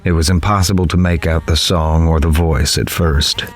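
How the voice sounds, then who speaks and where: A male actor plays a grave, observant newspaper reporter, narrating a horror audio drama in the first person with measured, literary delivery. His rumbling low voice stays steady and somber, with music playing behind him.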